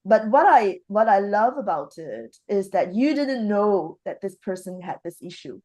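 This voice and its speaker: A woman speaking in a relaxed, mellow tone during an easygoing podcast conversation. She talks animatedly, with quick bursts of excitement and frequent laughter. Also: mid-range voice. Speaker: podcast co-host, healer. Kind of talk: casual conversation.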